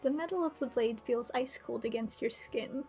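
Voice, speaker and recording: A woman with a high voice plays a game on a live stream. She reads the narration aloud and adds her own commentary. Game music plays clearly behind her. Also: moderate pace, warm tone.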